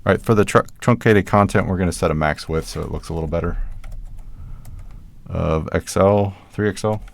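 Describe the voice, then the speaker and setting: A man's voice: low voice, normal speed, gravelly. A man hosting a programming tutorial, casually thinking aloud as he types code. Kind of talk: screen-recorded coding tutorial.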